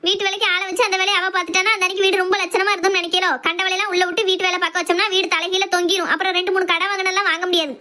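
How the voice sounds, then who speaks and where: A woman playing a sharp-tongued middle-aged housewife and strict mother, talking sarcastically. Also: very high voice, little pitch movement, very fast, hardly any pauses. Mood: scolding. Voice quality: scolding, sarcastic. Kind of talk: comic family skit.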